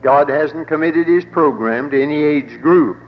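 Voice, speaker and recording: A man's voice: on the high side, measured pace. An older man preaching a sermon with a folksy, wry humor and a rolling preacher's cadence. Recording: dull old broadcast in a reverberant hall.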